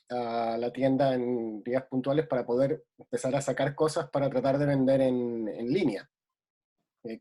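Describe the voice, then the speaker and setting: Guy from ecuador talking it over on a call, slightly high, soft husky tone, lots of ehs. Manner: reflective, many hesitations. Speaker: guest. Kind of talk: casual conversation.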